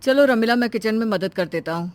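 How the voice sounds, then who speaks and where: A woman voicing a polite but firm young husband in a cartoon story, reasoning calmly. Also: a little high, fairly quick, dry recording, close to an everyday voice.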